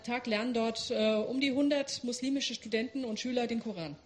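A woman's voice: on the high side, a little fast. A woman working as an interpreter, rendering a guest's testimony in church line by line. She speaks fluently, with the odd hesitant filler.

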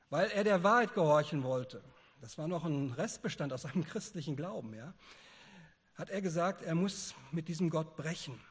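Husky male preacher in a reverberant hall. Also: fairly high pitch. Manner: earnest lecturing with hesitant fillers. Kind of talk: sermon.

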